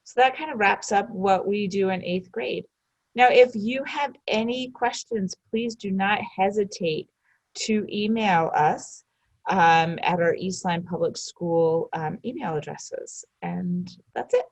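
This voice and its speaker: A woman's voice: mid-range voice, unhurried, no echo, poor audio. A woman who teaches French and Spanish, giving a back-to-school night overview with frequent "um" fillers. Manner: many "um" fillers, earnest.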